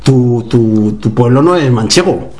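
A man from Guadalajara, Spain, an author being interviewed, who tells anecdotes in an animated way and acts out the dialogue. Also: mid-range voice, unhurried, faint music behind. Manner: animated storyteller, acts out dialogue, laughs while telling. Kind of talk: casual interview chat.

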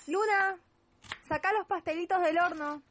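Lady doing an argentine mom in a radio play, scolding, high voice, slight noise behind. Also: normal speed, fairly bright tone. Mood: bossy. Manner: scolding, insistent. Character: practical, exasperated mother of a dreamy girl.

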